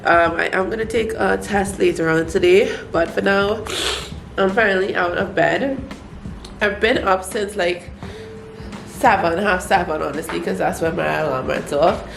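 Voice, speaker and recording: Young trinidadian woman, stuffy congested nose, gravelly fry, echoey room, faint background hum. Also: fairly low pitch, normal speed. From Trinidad and Tobago. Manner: relaxed, chatty, frequent fillers. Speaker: vlogger. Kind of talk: casual vlog chat. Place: at home.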